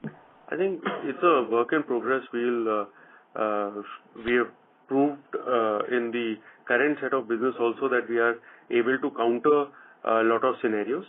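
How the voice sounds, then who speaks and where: A man speaking as a company executive on an earnings call, answering questions in a measured, guarded, formal way over a conference line. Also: medium pitch. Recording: narrow-band phone conference line.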